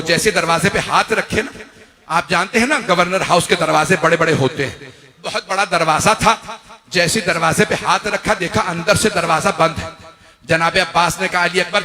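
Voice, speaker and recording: A man with a Pakistani Urdu accent delivering a mourning sermon, telling the story dramatically with drawn-out, lamenting cries. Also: high-pitched, pushed and bright. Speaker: religious orator.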